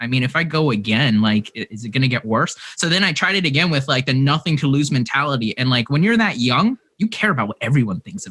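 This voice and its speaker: Very fast and with lively intonation, a man speaks at a fairly high pitch in a bright, sharp tone, with big swings in loudness. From Philadelphia, Pennsylvania. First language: Korean. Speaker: stand-up comedian. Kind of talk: casual chat.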